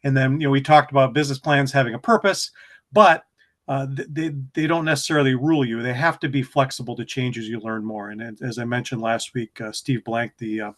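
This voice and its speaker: A man's voice: mid-range voice, fairly even intonation, brisk, fairly bright tone. A man hosting a workshop broadcast, encouraging, with frequent restarts. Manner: encouraging, many fillers and restarts. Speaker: host.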